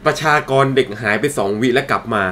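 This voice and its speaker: Fast-talking young man telling a comic story. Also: mid-range voice, bright, forceful tone, slight background noise. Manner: crude, joking, rambling with quick restarts. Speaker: comedic storyteller, channel host. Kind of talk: comedic storytelling monologue.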